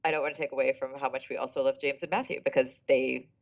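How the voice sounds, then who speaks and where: A woman with a low voice chats casually as a podcast creator. She is emphatic, circling back over phrases, and the recording is a little dull. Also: steady tone, quick pace, gravelly. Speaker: podcast creator giving commentary. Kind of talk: casual, chatty behind-the-scenes commentary.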